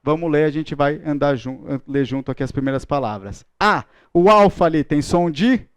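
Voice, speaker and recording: Man, Brazilian Portuguese accent, bible class teacher, joking and playful, higher voice, smooth and clear, dry sound. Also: normal speed, no room sound. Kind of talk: lively classroom lesson.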